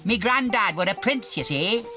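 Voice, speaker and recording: A man's voice: expressive, normal speed, pushed and bright, full character voice. A man voicing a big, friendly, sniffly male elephant with a Northern English accent, hearty and folksy. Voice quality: sniffly, booming. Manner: hearty, folksy and plain-spoken. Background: music.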